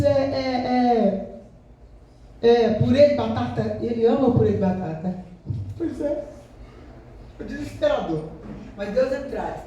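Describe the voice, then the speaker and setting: A woman's voice: a little high, dark tone. A middle-aged woman with a Brazilian Portuguese accent, a missionary preaching an earnest, emotional sermon, often repeating herself and asking the congregation to agree. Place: church sanctuary. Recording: very echoey church from a distance.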